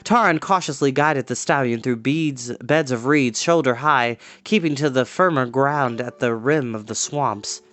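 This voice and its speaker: Measured storybook narrator at medium pitch. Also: fairly bright tone. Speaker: storyteller reading a novel aloud.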